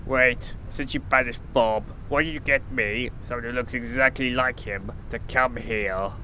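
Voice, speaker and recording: A man playing a blunt, deadpan, flippant superhero in an amateur audio drama. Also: measured pace. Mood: puzzled. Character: blunt, flippant male superhero, once a toy bird. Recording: clearly noisy with low rumble.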